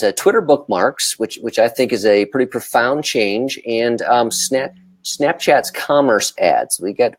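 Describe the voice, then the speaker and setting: A man with a halting delivery, chatting casually as co-host of a live talk show. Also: mid-range voice, darkish tone, dry recording.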